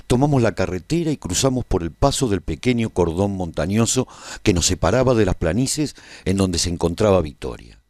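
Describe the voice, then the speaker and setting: An actor playing a tender, reflective survivor who narrates a post-apocalyptic radio serial in a measured, solemn way. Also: male voice, on the low side, darkish tone, no echo, clean studio sound. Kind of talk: scripted first-person narration for a radio serial.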